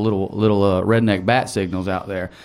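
A man speaks with an Appalachian accent. His pace is very fast. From Appalachian Tennessee. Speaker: comedian. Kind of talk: casual chat.

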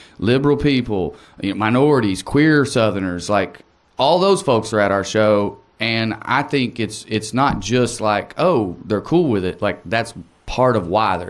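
In an Appalachian accent, a man of medium pitch speaks at a fairly slow pace with lively intonation. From Appalachian Tennessee. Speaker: comedian. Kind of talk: casual chat.

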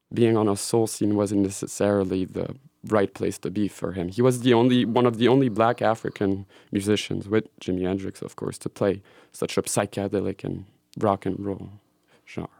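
A dark, mellow tone with fairly even intonation comes through in a very clean recording with a silent background and a dry, close sound with no echo. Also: man, fairly low pitch for a man, moderate pace. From Switzerland. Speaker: documentary filmmaker. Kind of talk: radio interview.

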